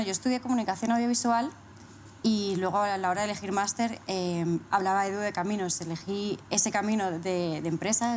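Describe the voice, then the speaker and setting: A woman's voice: mid-range voice, darkish tone, slight background noise. A thirty-year-old woman with a Madrid accent, telling her own story as an interview guest, often posing rhetorical questions. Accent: Spanish (Madrid). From Madrid, Spain. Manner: breaks explanations with rhetorical questions. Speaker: interview guest, corporate communications manager. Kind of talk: casual personal account in interview.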